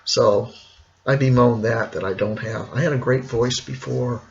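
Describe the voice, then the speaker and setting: Slow, gravelly-voiced middle-aged man. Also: medium pitch, fairly even intonation, dull audio, slight background noise. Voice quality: gravelly, hoarse, cracking voice. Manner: rambling, reflective, slow with pauses. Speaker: vlogger. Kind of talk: casual personal vlog.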